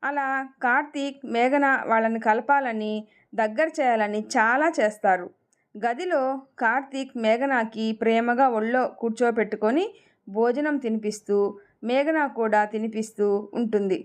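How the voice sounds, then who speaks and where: A woman narrates a romantic family story aloud, shaping each line with expression. Her voice sits high. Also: normal speed.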